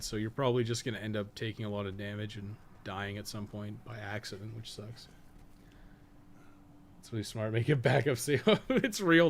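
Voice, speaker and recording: Male game streamer, mid-range voice; casual, rambling, foul-mouthed and jokey guide talk. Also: mid-range voice. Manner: rambling, thinking aloud; profane, slangy, joking. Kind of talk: casual live-stream gaming commentary.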